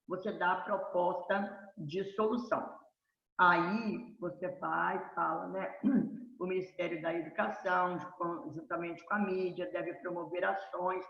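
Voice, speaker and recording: A woman teaching a remote Portuguese grammar lesson, explaining with examples, checking in with her students and correcting herself mid-phrase. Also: mid-range voice. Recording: roomy, dull lo-fi online class audio.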